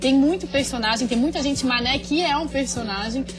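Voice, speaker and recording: A woman's voice: sits high, brisk, music in the background. A woman hosting a TV talk show, asking questions casually and enthusiastically. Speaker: TV host.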